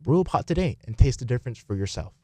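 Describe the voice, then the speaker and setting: A man's voice: medium pitch, sing-song, fast talker, a little mellow, breathy edge, no room sound. A man reading a scripted commercial as an announcer. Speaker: advert announcer. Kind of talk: scripted coffee commercial read.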